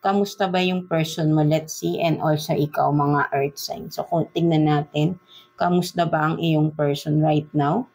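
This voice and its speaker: Deep, husky and a little mellow, this woman's steady voice carries vocal fry as she does a relaxed tarot reading. She speaks slow, filler-heavy Taglish with a Filipino accent, often ending sentences with "no?" or "right?".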